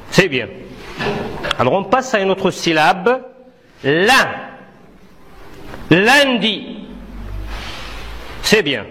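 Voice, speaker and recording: A man's voice: high voice, fairly bright tone, a little hiss or hum. A man teaching pupils in a classroom, repeating syllables one at a time and correcting answers with short, firm replies. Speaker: primary school teacher. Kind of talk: classroom pronunciation drill.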